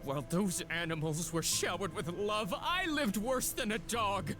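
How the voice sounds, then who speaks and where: A man's voice: sits high, expressive, a little slow, music in the background. An actor playing a guilty, cowardly man who pleads and makes excuses when caught. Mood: pleading. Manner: pleading, defensive, self-pitying. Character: cowardly guilty male smuggler begging for mercy. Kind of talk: game voice acting.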